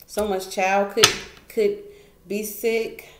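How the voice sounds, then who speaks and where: A woman's voice: medium pitch, level tone, slow. Chatty woman reading tarot cards. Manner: chatty, emphatic, repeats phrases, laughs often. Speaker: tarot reader. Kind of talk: casual tarot card reading. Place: indoor room at a wooden table. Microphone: camera pointed down at the table, speaker off frame. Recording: echoey room, faint noise.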